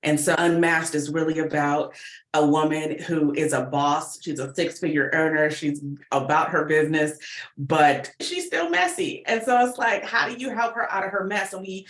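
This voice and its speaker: A woman's voice: low voice, normal speed. American woman chatting in an echoey room. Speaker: guest, podcast producer and relationship coach. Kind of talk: conversational interview answers, storytelling. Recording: roomy, echoey sound.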